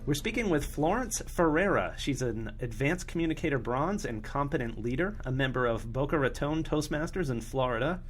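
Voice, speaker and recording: Man, co-host, mid-pitched voice, earnest, slightly self-conscious, podcast interview. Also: animated, fairly quick, few pauses, faint music behind.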